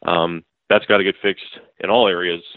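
A man with a lowish voice breaks down a football game in long, rambling runs, restarting his sentences and dropping fillers. He comes through a thin, tinny phone line with no room sound. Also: fairly even intonation, normal speed, dry recording. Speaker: sports beat writer guest. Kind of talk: casual sports analysis. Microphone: phone call.

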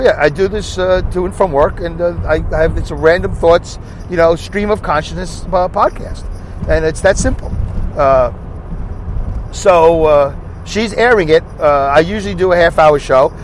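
Host, Brooklyn accent, male, slightly high voice, rambling stream-of-consciousness talk, recorded in a moving car with faint road noise. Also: unhurried, pauses often, low-quality recording. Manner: chatty, self-mocking, stream of consciousness. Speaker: podcast host. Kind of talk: rambling solo podcast while driving. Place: inside a moving car on a highway. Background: road and engine noise.

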